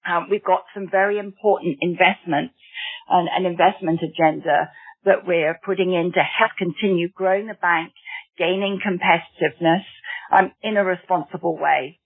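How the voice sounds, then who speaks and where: An upbeat, assured woman executive answers analysts on an earnings call, often pausing on an um. Her voice comes through a thin, narrow phone line. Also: lowish voice, steady tone. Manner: upbeat and assured, with frequent ums.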